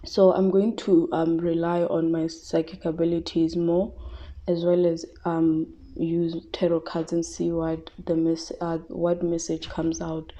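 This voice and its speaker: Soft-spoken, hesitant woman. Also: on the low side, completely flat delivery, measured pace. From South Africa. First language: Tshivenda. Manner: hesitant, many fillers and restarts. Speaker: tarot reader. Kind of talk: casual psychic reading.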